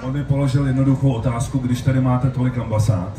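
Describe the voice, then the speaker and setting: A man's voice: mid-range voice, fairly even intonation, warm tone. A middle-aged man giving a short anecdotal speech from an open-air festival stage. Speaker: festival speaker. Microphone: stand mic through PA, recorded from audience. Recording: noisy, echoey stage PA from far off.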